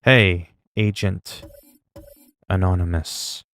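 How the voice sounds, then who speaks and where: Man, low gravelly voice, dry close sound, rambling gameplay chat. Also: fairly even intonation, takes it slowly, a bit bright, dry recording. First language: French. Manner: rambling, self-talk with laughs and asides. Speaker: gaming streamer.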